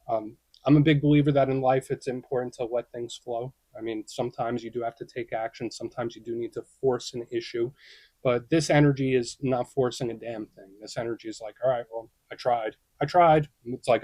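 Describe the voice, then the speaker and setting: A man's voice: mid-range voice, warm tone, slightly rough, dry recording. A young man giving a casual tarot reading to camera, chatty and reassuring, thinking aloud and acting out inner questions. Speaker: tarot reader.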